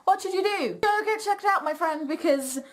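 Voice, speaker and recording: A woman's voice: very high voice, animated, moderate pace. A young woman hosting a question-and-answer video, chatting casually and jokingly in a frank, cheeky way. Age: young adult.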